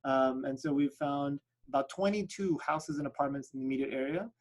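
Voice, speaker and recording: A man whose first language is Spanish, presenting a flight school on a video call webinar in an upbeat sales-pitch manner, often tagging "right?" onto his points. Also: fairly quick.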